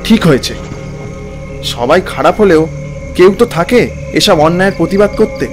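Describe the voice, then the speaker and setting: A man playing a sinister ghostly village servant in an animated horror story, deferential yet insistent and menacing. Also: high voice, moderate pace, over music. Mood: bitter, agitated.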